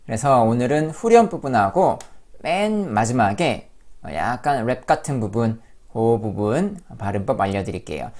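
A man giving an online pronunciation lesson, modelling phrases slowly and then singing them. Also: medium pitch, big pitch swings, darkish tone. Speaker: English pronunciation teacher. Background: pop music.

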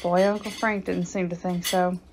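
A woman's voice: lowish voice, level tone, normal speed, slight background noise, natural voice. A woman playing a skeptical daughter in a radio drama, with a conversational, sardonic manner. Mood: wry, casual. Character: wry, skeptical grown or teenage daughter.

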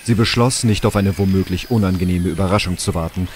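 A man's voice: low voice, quick pace, darkish tone, a little hiss or hum, close to an everyday voice. A man reading scripted narration as the storyteller of a radio drama.

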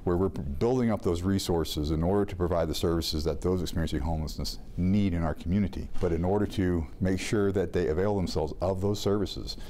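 A middle-aged man speaks in a very low voice, firm and earnest as a city official in an interview. A faint background hiss sits under his words. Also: a little fast, few pauses, dark tone.

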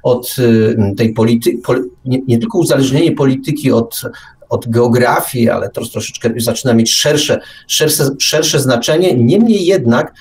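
A man's voice: medium pitch, moderate pace, darkish tone, recorded from a distance, slight background noise. A man hosting a live radio talk, musing discursively, repeating and rephrasing himself and posing rhetorical questions. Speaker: radio show host. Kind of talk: casual live talk, reflective monologue.

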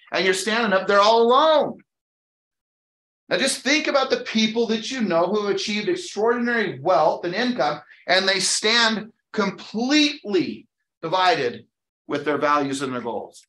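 A middle-aged American man speaks as a motivational sales trainer in an echoey room. His voice sits a little high for a man, and he talks emphatically but conversationally, often tossing questions at his listeners. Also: bright, forceful tone. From Utah, United States. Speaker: real estate sales trainer. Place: indoor training room with whiteboards.

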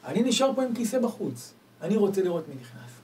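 A man voicing an alarmed, suspicious male bathhouse attendant who shouts his questions. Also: sits high, sing-song, pitched above the performer's own voice. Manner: loud, urgent exclamations. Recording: distant mic, faint background noise.

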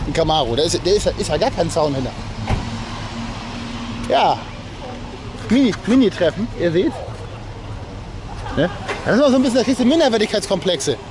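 A man's voice: high-pitched, big pitch swings, moderate pace, long pauses. Chatty young man in a car. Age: young adult. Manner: chatty, frequent tag questions "ne?". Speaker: car vlogger. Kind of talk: casual vlog commentary while driving. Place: inside a car, then outdoors at a rainy car meet. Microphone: handheld camera at arm's length. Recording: clear road and street noise behind.

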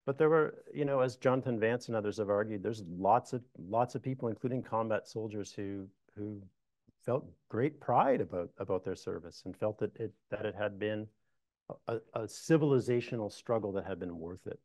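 A middle-aged man, a historian, answering audience questions in a meeting room, measured and thoughtful with frequent restarts. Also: on the low side, a little mellow, dry recording. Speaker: historian giving a talk. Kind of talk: lecture Q&A answers.

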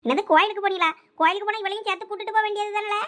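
A woman's voice: very high voice, fairly even intonation, racing, a bit bright, no echo. A woman with a Thoothukudi Tamil accent playing a scolding, domineering village mother in a comedy skit.

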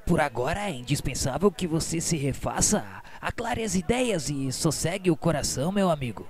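A man playing a patient, kindly healer in a radio novela, speaking in a gentle, measured, soothing way. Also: a little high, animated, lightly acted. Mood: gentle, reassuring. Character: patient, kindly male spirit-world healer. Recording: music under the voice.

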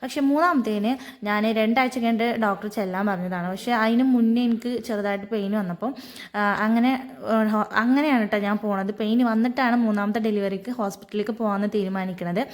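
A woman's voice: medium pitch, fairly even intonation, fairly quick. A woman, chatting casually in a vlog, with many fillers and friendly tags. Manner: chatty, frequent fillers and tag "ട്ടോ". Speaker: vlogger.

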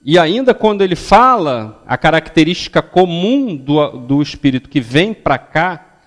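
Older man giving a didactic religious lecture. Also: fairly high pitch. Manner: didactic, ends phrases with checking questions; stands and gestures while speaking. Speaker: lecturer at a spiritist center. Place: indoor lecture hall with seated audience.

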